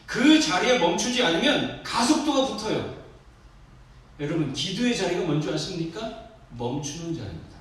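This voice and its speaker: A man preaching a sermon as a pastor, swinging between booming exhortation and soft asides. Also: sing-song, normal speed. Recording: echoey church hall from far off, faint noise.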